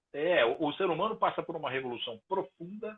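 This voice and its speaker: The speaker is a man. His voice sits at a high pitch. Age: 60s. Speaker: radio presenter and commentator. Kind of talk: casual interview chat.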